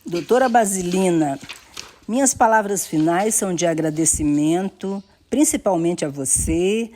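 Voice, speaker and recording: Slow, very mellow woman speaking formally. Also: fairly low pitch, animated, a little hiss or hum. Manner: formal, courteous wording. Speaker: interview guest. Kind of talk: formal closing remarks.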